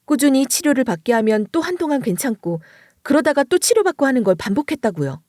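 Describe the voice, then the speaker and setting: A woman narrating a dramatic first-person story in an expressive storytelling voice. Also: high-pitched, fast, no echo, studio quality.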